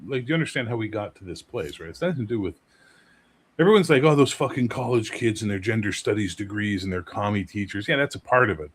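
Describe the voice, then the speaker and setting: A man with a somewhat low voice hosts a loose livestream chat. He speaks bluntly and forcefully, states strong opinions, and swears freely. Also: slightly rough. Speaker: host.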